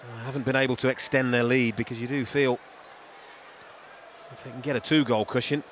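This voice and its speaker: A man giving measured football co-commentary, stressing key words by repeating them. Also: mid-range voice, flat delivery, a little hiss or hum. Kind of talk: football match analysis.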